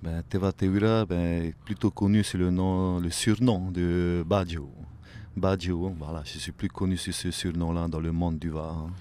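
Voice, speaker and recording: A man, talking casually as a guest on a radio show, filling pauses with "ben", "hein" and "voilà". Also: sits low, little pitch movement, dark tone, slight background noise. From Tahiti. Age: late 30s. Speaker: guest, outrigger canoe paddler. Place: radio studio.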